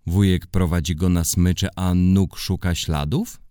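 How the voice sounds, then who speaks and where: A man voicing an excited little girl in a children's storybook reading, in a high, squealing child voice. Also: measured pace, smooth, no echo, studio quality. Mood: curious.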